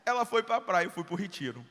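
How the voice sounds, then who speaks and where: Bright-voiced Brazilian priest preaching. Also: male voice, high voice, in a large hall. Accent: Brazilian Portuguese. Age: middle-aged. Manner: animated, acts out dialogue, swings from loud to hushed. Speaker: Catholic priest. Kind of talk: sermon with personal storytelling.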